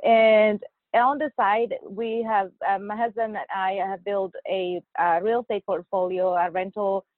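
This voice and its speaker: A woman's voice: medium pitch, steady tone, a little slow, no echo. A woman, a podcast guest who speaks hesitantly and laughs often. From Mexico. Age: 40s. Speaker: guest, nurse anesthetist. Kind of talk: podcast interview. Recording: dry tinny phone-like line.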